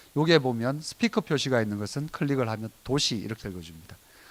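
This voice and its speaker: A man of medium pitch talks at a fairly quick pace with very wide pitch swings. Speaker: education lecturer. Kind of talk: lecture to parents.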